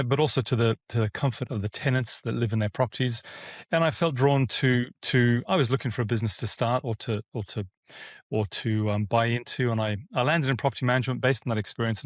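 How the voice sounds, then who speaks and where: A man's voice: mid-range voice, no room sound. Man, dry interview voice. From South Africa. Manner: rambling with many restarts and fillers. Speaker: guest, property management business owner. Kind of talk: casual interview answers.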